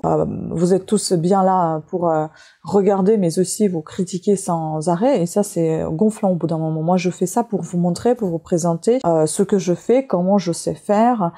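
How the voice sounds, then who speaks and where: A woman whose first language is not French hosts her own crochet channel. She speaks with a mellow, low-set voice and sounds fed up and blunt, filling her speech with many "euh" pauses. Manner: frank, exasperated, many hesitations. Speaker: crochet YouTuber. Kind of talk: casual tutorial intro, venting rant.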